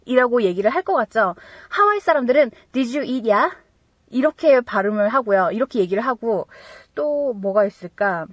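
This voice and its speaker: A woman teaching English vocabulary, reading example sentences very slowly and clearly, with chatty asides. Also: fairly high pitch, animated, dry recording. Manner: chatty asides with little laughs. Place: staying in Hawaii.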